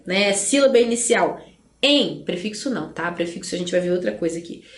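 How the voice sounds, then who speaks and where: A Brazilian woman teaching an online exam-prep lesson. She explains slowly and deliberately, spells words out, and keeps checking in with "né?". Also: on the high side. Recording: echoey room.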